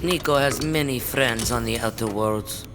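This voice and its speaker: An actor playing a polite, helpful male assistant in an audio drama, speaking formally and deliberately. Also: mid-range voice, noisy background, close to an everyday voice. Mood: calm. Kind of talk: audio fiction acting. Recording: echoey hall-like reverb under loud music.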